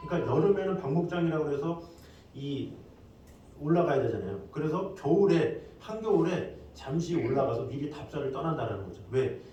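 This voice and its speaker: A middle-aged man preaching a sermon as pastor in a conversational way, with lively asides to the congregation. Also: fairly high pitch. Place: church sanctuary. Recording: echoey hall, distant mic, faint noise.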